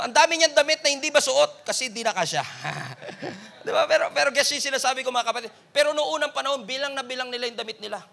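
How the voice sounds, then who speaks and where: Male Filipino pastor, high and crisp-edged with gravel in the voice, full sermon delivery. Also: pushed and bright.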